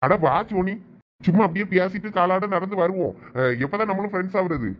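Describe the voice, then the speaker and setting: A man's voice: sits high, fairly quick, slight background noise, lightly acted. A man voicing a sly, coaxing young man. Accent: Thoothukudi Tamil. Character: scheming young man, the senior, playful and sly. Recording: dull lo-fi sound.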